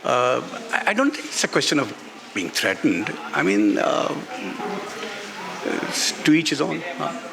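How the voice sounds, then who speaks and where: A man's voice: fairly high pitch, very animated, measured pace, vocal fry, crowd noise. A middle-aged man with a Pakistani accent answers candidly as an author at a live event, speaking emphatically and repeating phrases for stress. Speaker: author on a festival panel. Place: live literary festival session in a garden venue. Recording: live event with background noise.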